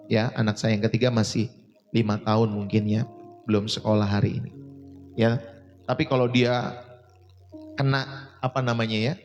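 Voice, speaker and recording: Indonesian pastor preaching in a reverberant hall. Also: male voice, dull audio. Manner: preaching with sudden high bursts of emphasis. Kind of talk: sermon. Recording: long hall reverb with faint music.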